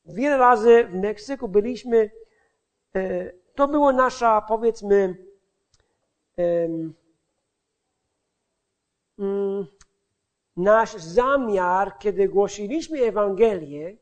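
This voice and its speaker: A man with an unusually high voice shares his testimony as an evangelist. He speaks slowly and hesitantly, and he keeps pausing and restarting sentences as he hunts for the right words. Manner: halting, searching for words, many restarts. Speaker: street evangelist. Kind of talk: personal testimony in a sermon.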